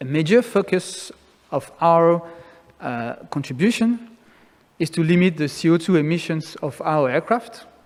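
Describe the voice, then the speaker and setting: A speaker with a French accent. The pace is fairly slow. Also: man, high pitch for a man. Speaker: company executive. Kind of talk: keynote speech. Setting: stage with audience. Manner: hesitant with fillers.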